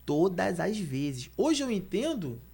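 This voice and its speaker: A man with a Brazilian Portuguese accent, a guest preacher telling his story fast, with stumbling restarts. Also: high voice, big pitch swings, gravelly, dark tone, breathy edge. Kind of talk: animated storytelling in conversation.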